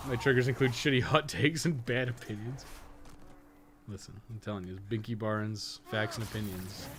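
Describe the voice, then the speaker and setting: A man giving casual livestream commentary on a game, rambling and thinking aloud with blunt opinions and swearing. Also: on the low side. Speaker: game streamer and guide maker. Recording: clearly noisy background.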